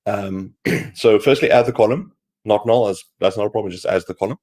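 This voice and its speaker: A man co-hosting a casual tech livestream, hoarse from a cold, explaining things in a rambling way with lots of fillers. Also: lowish voice, fairly quick, darkish tone. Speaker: co-host.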